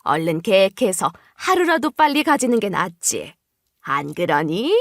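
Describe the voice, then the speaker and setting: A woman's voice: medium pitch, sing-song, unhurried, no room sound, voice pushed down. A woman voicing an older, nagging mother-in-law who coaxes and admonishes in an audio story. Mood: nagging, coaxing. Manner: coaxing, admonishing.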